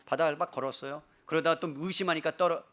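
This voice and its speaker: A male pastor preaching a Sunday sermon, animated, firing rhetorical questions at the congregation and swinging between loud bursts and hushed passages. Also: a little high, fast talker.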